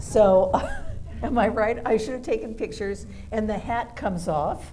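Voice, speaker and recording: Over noticeable background noise and audible room echo, a woman speaks at a moderate pace in a fairly high voice with ordinary pitch variation. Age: 70s. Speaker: talk show host. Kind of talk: panel discussion. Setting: senior center event with live audience. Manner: halting, many fillers.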